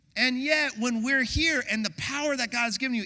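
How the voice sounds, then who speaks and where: An extremely high-pitched man's voice with an American accent, bright and sharp in tone, raised and projected, with ordinary pitch variation at a fairly quick pace. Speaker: guest preacher. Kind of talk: sermon. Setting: church. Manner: animated.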